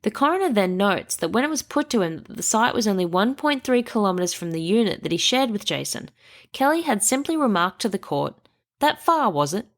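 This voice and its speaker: A woman hosting a true crime podcast, reading a measured scripted narration with a stuffy nose. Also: medium pitch, sing-song. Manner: measured, reasoning aloud through evidence.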